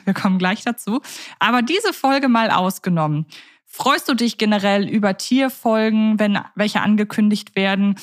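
A woman's voice: mid-range voice, dry recording. Woman, podcast moderator, mid-range voice, careful roundabout phrasing, dry room-free sound. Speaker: podcast host.

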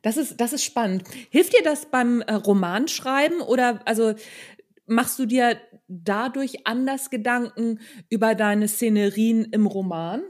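A woman's voice: fairly high pitch, a little slow, darkish tone. A woman interviewing a guest in a casual, conversational way.

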